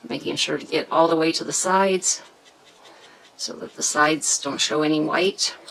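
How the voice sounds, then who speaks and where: A woman hosting a casual craft tutorial, chatty and hesitant, often pausing to search for words. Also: low voice, steady tone, creaky, a bit bright, poor audio. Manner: chatty, self-deprecating about pronunciation.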